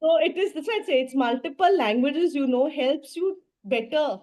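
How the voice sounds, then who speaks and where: A woman with a fairly high voice and a Goan Indian accent speaks off the cuff as an interview guest. She explains things haltingly, repeating and reworking phrases as she goes. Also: lively intonation, a little mellow. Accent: Goan Indian English. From Goa, India. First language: Portuguese and Konkani. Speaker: language teacher, interview guest. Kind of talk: spontaneous interview answers.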